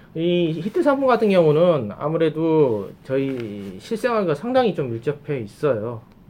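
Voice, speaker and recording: Over noticeable background noise, a man with a fairly high pitch talks at a fairly slow pace with hardly any pauses and very wide pitch swings. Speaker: stock analyst guest. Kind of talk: casual chat. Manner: soft-spoken.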